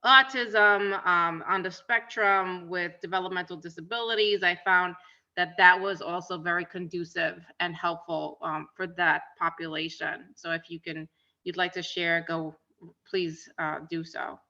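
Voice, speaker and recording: Slow, halting woman on a muffled call. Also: on the low side, steady tone, pushed and bright. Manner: halting, many repeats and "um"s. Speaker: co-trainer. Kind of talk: online training discussion.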